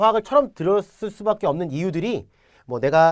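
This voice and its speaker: A high-pitched man at a fairly quick pace with very wide pitch swings, in a very clean recording with a silent background and a dry, close sound with no echo. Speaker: online chemistry lecturer. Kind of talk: lecture. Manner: fast; casual, many filler sounds.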